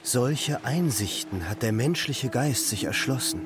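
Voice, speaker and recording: Prominent music surrounds an actor as a solemn man of mid-range pitch. He declaims formally, almost chanting, like a ritual voice in a poetic radio drama. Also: lively intonation, measured pace, close to an everyday voice. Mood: invoking. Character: solemn male voice of questioning, ritual invocation. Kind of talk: poetic radio play, choral interjections. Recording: studio voice over music.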